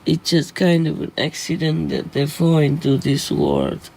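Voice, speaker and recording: A man prays aloud with a pleading, halting earnestness. His slightly high voice carries a gravelly fry and a dark, mellow tone. He talks slowly. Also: sing-song. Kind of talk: spoken prayer.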